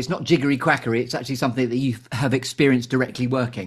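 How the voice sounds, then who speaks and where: On a very clean recording with a silent background, a man at medium pitch talks at a very fast pace, his voice somewhat breathy. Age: 60s. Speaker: podcast host. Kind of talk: casual interview. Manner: animated.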